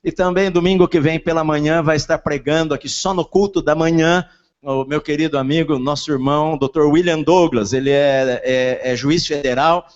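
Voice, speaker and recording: A man's voice: on the high side, steady tone, moderate pace. A Brazilian man preaching a sermon as a pastor, talking with his mouth barely open. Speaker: pastor preaching at a church service. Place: large indoor church hall during a service. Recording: muffled, reverberant large church hall.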